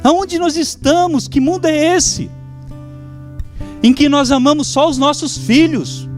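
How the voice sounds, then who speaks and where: A high-pitched man whose first language is German delivers a fervent sermon as pastor, crying out to his congregation. Faint guitar music plays softly behind him. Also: a little slow. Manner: fervent preaching with exclamations to the congregation.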